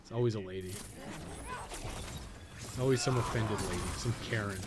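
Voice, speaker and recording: A man's voice: fairly low pitch, normal speed, very noisy. A man doing casual live-stream gaming commentary, thinking aloud in a rambling, slangy way with plenty of swearing and joking. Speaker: game guide streamer and podcast host.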